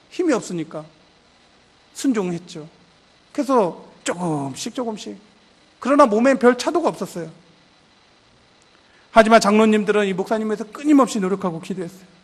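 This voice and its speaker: A man's voice: sits high, lively intonation, fairly quick, pauses often. A male pastor preaching a sermon, telling a story and acting out prayers and dialogue with growing intensity. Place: church sanctuary.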